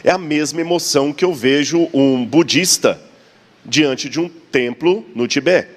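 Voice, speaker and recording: A man's voice: fairly high pitch, unhurried. A man preaching a sermon in a full church, talking conversationally, joking with the congregation and posing rhetorical questions.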